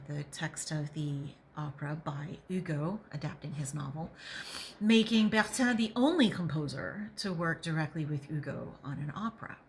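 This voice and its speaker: A woman hosting a podcast, reading aloud and adding opinionated, emphatic commentary, sometimes pausing to think out loud. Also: deep voice, a little hiss or hum. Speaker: podcast host and reader.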